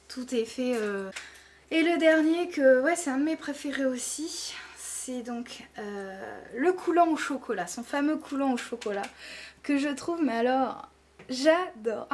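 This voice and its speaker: A woman's voice: on the high side, slight background noise. A woman vlogging casually, showing off jewelry with gushing enthusiasm and lots of fillers. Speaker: beauty vlogger. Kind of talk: casual show-and-tell.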